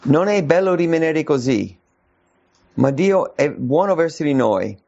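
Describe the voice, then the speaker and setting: A man preaching an informal sermon, answering viewers' letters, slow and earnest, stretching out his emphasis on scripture. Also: fairly high pitch, expressive, creaky, darkish tone. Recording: dull lo-fi recording.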